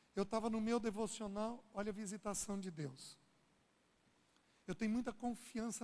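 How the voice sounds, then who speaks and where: A man with an extremely high pitch, talking at a fairly slow pace. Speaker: guest preacher. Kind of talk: sermon testimony.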